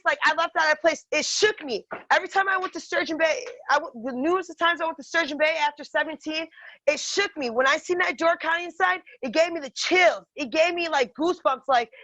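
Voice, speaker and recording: A woman in her thirties, a podcast guest telling personal stories in a profane, animated, emphatic way. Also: very high voice, no room sound, poor audio. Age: 30s. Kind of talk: casual chat, personal storytelling.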